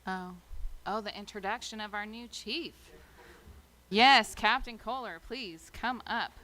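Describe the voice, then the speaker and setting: A woman's voice: mid-range voice, unhurried, bright, forceful tone. A woman chairing a public meeting in an informal way, calling up the next item. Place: city council chamber. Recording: background noise and clicks in meeting room.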